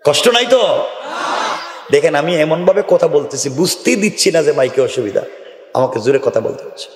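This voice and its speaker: A man's voice: on the high side, animated, a little fast, darkish tone. Guy preaching a sermon over a PA, acts out voices, teases the crowd, lots of echo. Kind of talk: sermon at an outdoor religious gathering. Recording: echoey, reverberant PA sound from far.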